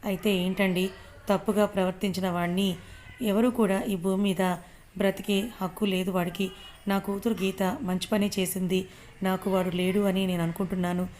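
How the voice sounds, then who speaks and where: Woman voicing a fierce middle-aged mother, defiant, scolding, flat even delivery. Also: mid-range voice, normal speed, a little hiss or hum, natural voice.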